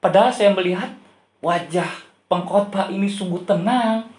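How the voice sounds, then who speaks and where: A man's voice: high-pitched, normal speed, darkish tone, voice pushed up, lightly acted. Man doing a scared uncle confessing, raised earnest voice, echoey church hall. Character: grown man, an uncle, frightened then resolved.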